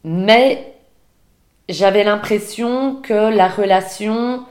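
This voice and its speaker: A woman's voice: mid-range voice, drawn-out words. A woman from Belgium, a podcast guest, talking casually and hesitantly with many restarts. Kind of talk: casual conversation. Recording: roomy echo.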